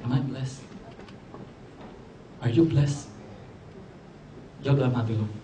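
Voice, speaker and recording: Joking young preacher in an echoey hall. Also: male voice, medium pitch, takes it slowly, warm tone, slight background noise. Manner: chatty Jakarta slang mixed with English, joking with the audience. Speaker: youth preacher. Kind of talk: casual sermon. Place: church hall. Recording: echoey hall, distant mic, faint ambience.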